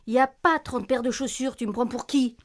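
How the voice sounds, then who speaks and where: An actress playing an anxious, insistent wife in a radio play, fretting over noises at night. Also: female voice, a little high, normal speed, close to an everyday voice. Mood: fretful, nagging. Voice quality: insistent, fretful. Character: anxious, insistent wife, worried, sharp-tongued.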